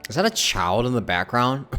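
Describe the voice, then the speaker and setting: A woman's voice: rumbling low, big pitch swings, normal speed, a bit bright. A woman streaming a game with casual, slangy live reactions, game music behind her. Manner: slangy, short muttered reactions.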